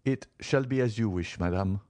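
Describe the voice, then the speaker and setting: A man reading an audiobook, voicing a formal, composed father who answers in a measured, placating way. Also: lowish voice, warm tone, no echo, natural voice.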